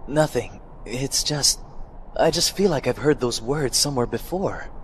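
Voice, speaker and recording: A man's voice: mid-range voice, animated, a little slow, slight background noise, pitched above the performer's own voice, natural voice. A man voicing an earnest, courteous young male warrior in a fan dub of a game scene. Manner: formal, courteous phrasing.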